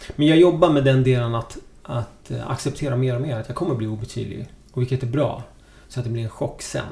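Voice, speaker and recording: A man with a medium pitch talks at a fairly quick pace in a plain, everyday voice. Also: ordinary pitch variation. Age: 40s. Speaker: youth worker. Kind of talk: casual interview chat.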